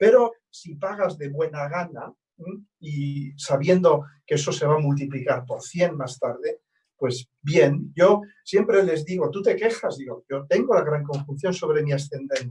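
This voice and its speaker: In a normal speaking voice, a man with a fairly high pitch talks fairly slowly. His pitch variation is ordinary, with big swings in loudness. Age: 60s. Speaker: astrologer. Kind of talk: casual chat.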